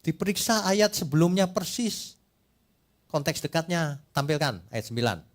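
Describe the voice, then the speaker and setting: Animated, teasing middle-aged male pastor. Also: normal speed. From Indonesia. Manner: animated, teasing, rhetorical questions to the congregation; acts out quoted voices in a higher pitch. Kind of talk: sermon.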